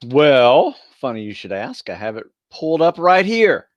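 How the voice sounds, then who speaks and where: A man co-hosting a podcast in casual chat, easygoing and a bit halting as he talks. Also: medium pitch, big pitch swings, dry recording, lo-fi sound. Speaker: podcast co-host and fitness group trainer.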